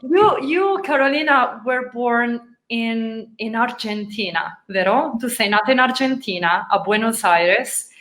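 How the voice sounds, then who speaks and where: A woman's voice: fairly high pitch, a little slow, few pauses, a bit bright. A woman hosting an interview, carefully repeating and restating her guest's answers. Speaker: interviewer, host. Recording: echoey room.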